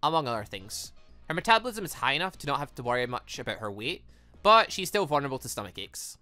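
A video game player reading a calm, reserved young man in a low, quiet, measured voice. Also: no echo, faint music behind.

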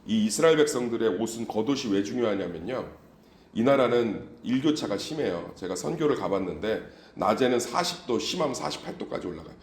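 Male pastor, exhorting sermon, animated delivery, reverberant church room. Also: lowish voice, a little fast.

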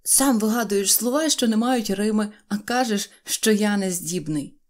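A woman voicing a boastful, excitable tiny boy-like man who talks eagerly and shouts when excited. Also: medium pitch, normal speed, natural voice.

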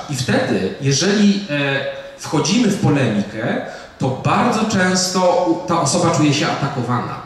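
Middle-aged man lecturing in an echoey hall. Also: on the high side. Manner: conversational, with fillers and rhetorical "prawda?". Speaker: psychiatrist giving a public lecture. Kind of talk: public lecture. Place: audiovisual hall of a museum. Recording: echoey hall, speaker far from the mic.

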